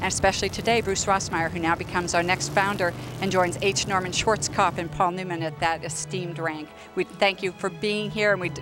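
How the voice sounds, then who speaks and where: Clear music plays in the background as a woman speaks fairly quickly with hardly any pauses, fairly even intonation and a fairly low pitch, the sound dry with no echo. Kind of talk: interview answer. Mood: cheerful, grateful. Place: open country. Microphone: handheld.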